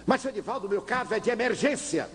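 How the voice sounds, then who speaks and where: A demanding, impatient father, voice pitched up high and swinging about as he insists and pleads, put on by an older man telling a story. The sound carries a long hall reverb with a faint hiss underneath. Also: expressive, fast, fairly bright tone. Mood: pleading. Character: impatient pushy middle-aged father, man of 48.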